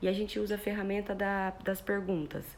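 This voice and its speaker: A woman's voice: medium pitch, flat delivery, brisk, darkish tone. A woman parenting educator gives a live talk to parents. She explains with everyday examples and keeps checking in with her listeners. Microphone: phone.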